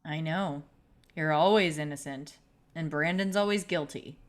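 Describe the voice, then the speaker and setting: A woman playing a crude junior high bully in a script read, blunt and threatening. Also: measured pace. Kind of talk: table read of a film script.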